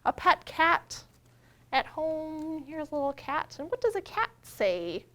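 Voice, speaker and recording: High voiced lady doing kids storytime, librarian type, asks the little ones stuff, stretches out words when reading. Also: very animated, a little slow, fairly bright tone. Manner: simple explanations, questions and invitations addressed to young children. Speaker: children's librarian, storytime host. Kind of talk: children's storytime read-aloud with talk and action rhymes.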